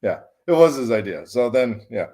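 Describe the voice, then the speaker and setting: A man with a Michigan accent, chatting as a podcast guest in a relaxed, joking way. He tells stories with lively acted-out quotes, laughing often, his voice in a middle pitch. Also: normal speed. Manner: animated storyteller, acts out quotes, laughs often. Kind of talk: casual chat. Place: home studio.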